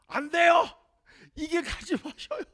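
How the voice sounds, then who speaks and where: A man's voice: a little slow, pushed and bright, heavily acted. A man voicing an alarmed male disciple who protests to his teacher. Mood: protesting. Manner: protesting, high and urgent.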